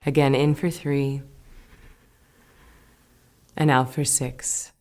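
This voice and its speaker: In this guided meditation, a low-voiced female teacher leads with slow, soothing delivery. Her gentle instructions are laced with softly whispered words.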